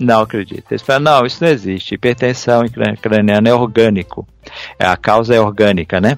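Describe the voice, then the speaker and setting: At a fairly quick pace, a man talks in an ordinary speaking voice, with medium pitch and ordinary pitch variation. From Minas Gerais, Brazil (Belo Horizonte). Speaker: blind musician and computer course creator. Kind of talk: interview.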